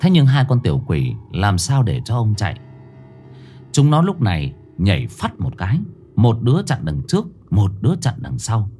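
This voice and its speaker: A man narrating a ghost story in a dramatic manner, slowing down for suspense. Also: on the low side, huge pitch swings, warm tone, soft background music.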